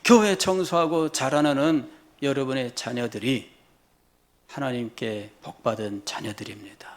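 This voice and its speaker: A middle-aged man preaching a sermon as pastor, swinging between hushed low lines and loud, high exclamations, repeating phrases and firing rhetorical questions at the congregation. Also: a little slow.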